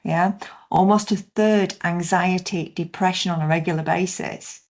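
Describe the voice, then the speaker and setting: Female workshop trainer, heard over a video conference call, lower-pitched, measured delivery with frequent tag questions. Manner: steady explanatory delivery, frequent "yeah?" checks. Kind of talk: online training session.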